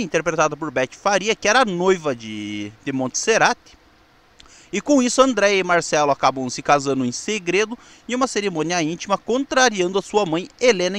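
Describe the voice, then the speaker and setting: A Brazilian man with a notably high voice narrates as a channel presenter. His delivery is explanatory and partly scripted. He stumbles over a word now and then. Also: fairly bright tone. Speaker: presenter of a weekly history channel. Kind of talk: semi-scripted narration of TV history.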